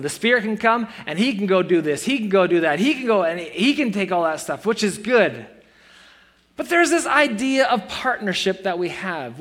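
A man's voice: high-pitched, fairly bright tone. A man in his forties preaching a sermon in a church, earnest and conversational, with playful self-mocking asides. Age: 40s. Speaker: pastor.

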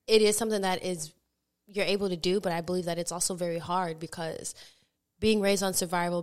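Podcast lady, chatty and animated, cuts in a lot, laughs easy. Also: lowish voice. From United States. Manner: animated, talks over others, laughs often. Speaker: podcast co-host. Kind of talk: casual chat.

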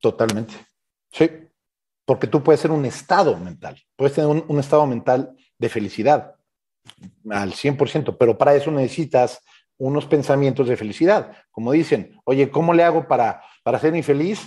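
A man's voice: medium pitch, moderate pace, dark tone, breathy edge. A man, a coach and interview guest, explaining informally with examples and rhetorical questions.

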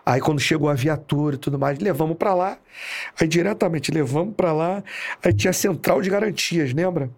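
Gravelly-voiced police inspector telling stories. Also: male voice, a little high, brisk. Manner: animated, acts out shouts and quotes. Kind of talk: casual storytelling on a podcast.

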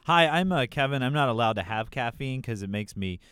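A man's voice: mid-range voice, lively intonation, brisk, a bit bright. A man co-hosting an improv podcast, joking goofily in casual chat. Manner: goofy, joking, trails off with fillers. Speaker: podcast co-host.

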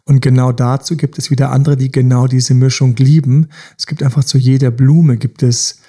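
A man's voice: medium pitch, little pitch movement, normal speed, mellow, breathy edge. A man hosting a self-help podcast, coaching listeners directly with repeated rhetorical questions. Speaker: podcast host.

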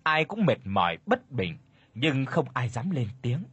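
A man narrating a ghost story in a dramatic, expressive storytelling manner. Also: medium pitch, a little slow, husky, no echo.

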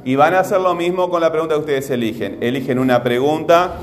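A man's voice: on the high side, quick pace. Male teacher, patient, fond of fillers, recorded in a roomy classroom with faint background hiss. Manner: patient, repeats phrases, fillers like "este". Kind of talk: classroom grammar lesson.

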